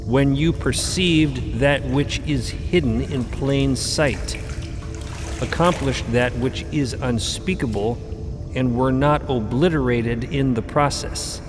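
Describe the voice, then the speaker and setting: A man's voice: medium pitch, slow, close to an everyday voice. An actor playing a wise, exasperated male cosmic mentor in a fantasy audio drama, pontificating with dry, impatient asides. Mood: serene, instructive. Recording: long cavernous reverb under loud music.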